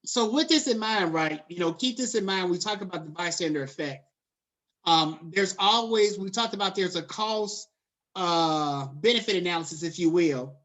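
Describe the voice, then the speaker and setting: A middle-aged man lectures his students in an easy, conversational way. He mixes textbook terms with relaxed slang and talks to the class directly. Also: high voice, moderate pace. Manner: conversational, drifts into casual slang. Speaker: college lecturer.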